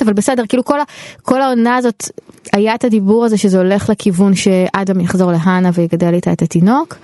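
A woman's voice: mid-range voice, a little mellow, no echo. Enthusiastic woman podcast host, dry close sound. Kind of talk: casual podcast chat.

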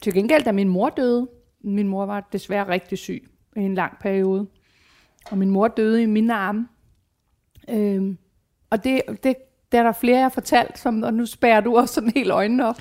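A woman's voice: medium pitch, steady tone, a little mellow. A woman in her forties chatting casually and candidly, telling personal stories with swearing and acted-out quotes. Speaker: guest. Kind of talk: casual chat, personal storytelling.

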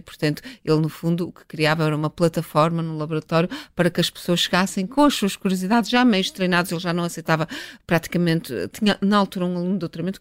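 Middle-aged woman, scientist guest, lively anecdotal storyteller, dry close sound. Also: fairly low pitch, dry recording. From northern Portugal. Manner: lively, chatty, with frequent restarts and laughs. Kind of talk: relaxed storytelling in a radio interview.

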